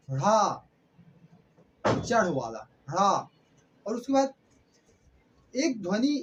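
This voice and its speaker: A man teaching a grammar lesson, who asks the class questions, answers them himself and repeats sounds slowly for them. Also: high-pitched. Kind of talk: classroom lecture.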